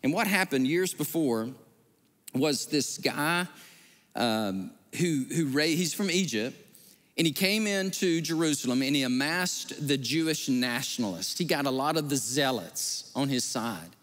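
A man preaching from the pulpit, his voice high and bright, leaping up and down in pitch as he acts out each voice in his story. The sound carries a long reverb from a large church sanctuary. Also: unhurried. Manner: animated storytelling, acting out quoted voices. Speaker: pastor. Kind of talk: sermon.

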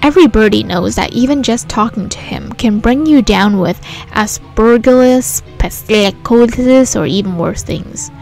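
A woman's voice: a little high, measured pace, vocal fry, a little mellow, poor audio. A woman hosting a let's play, reading a visual novel aloud and adding casual commentary. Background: game music.

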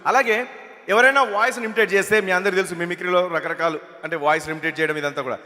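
Telugu-accented male mimic, quick and animated, high voice, stage reverb. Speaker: mimicry artist. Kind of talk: stand-up mimicry act. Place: stage at a film launch event.

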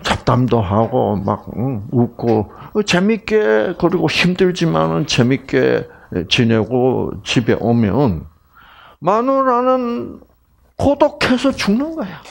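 An older man from Korea lecturing on health in a lively, rambling way. His gravelly, husky voice swings widely in pitch. He talks slowly and keeps checking in with his listeners. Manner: chatty, animated, frequent fillers and asides to audience. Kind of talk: health lecture with personal stories.

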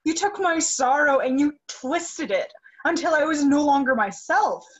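A young woman playing a defiant, sorrowful captive singer in a staged reading, formal and deliberate. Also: high-pitched, expressive. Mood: accusing, anguished. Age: young adult. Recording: muffled video call audio.

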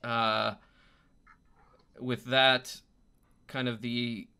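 A man in his thirties narrating a tabletop roleplaying game off the cuff as game master, pausing to find his words. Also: mid-range voice, pushed and bright, clean tone. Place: indoor room at home, on a video call.

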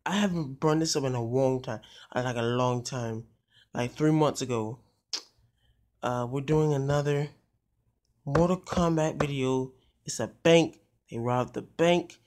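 A man's voice: mid-range voice, a little mellow. Laid-back rambling young YouTuber man. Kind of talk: casual vlog intro.

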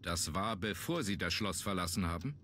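Probing, lively-toned police inspector. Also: male voice, deep voice, moderate pace, a little hiss or hum. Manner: inquisitive, matter-of-fact. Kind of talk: German video game voice acting.

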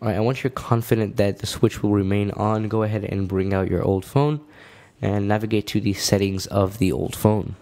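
A man's voice: on the low side, fairly even intonation, normal speed, warm tone. A man narrating a casual step-by-step tech tutorial in an informal, explanatory way.

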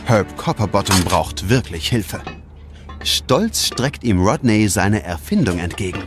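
Expressive male storyteller over music. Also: on the low side, unhurried. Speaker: narrator. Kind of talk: scripted narration of children's audio story. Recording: music behind the narration.

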